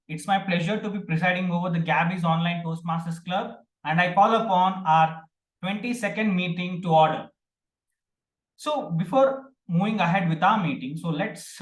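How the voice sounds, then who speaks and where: A man with a fairly high voice chairs a club meeting over a video call. He welcomes guests in a friendly way with many small fillers. His sound is echoey, as if in a bare room. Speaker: presiding officer of an online speaking club.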